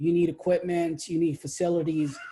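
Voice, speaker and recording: In a Philadelphia accent, a man speaks at a high pitch. His pace is moderate. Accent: Philadelphia American English. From Philadelphia, Kensington. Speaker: artist and professor. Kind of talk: interview conversation. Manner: halting, many fillers.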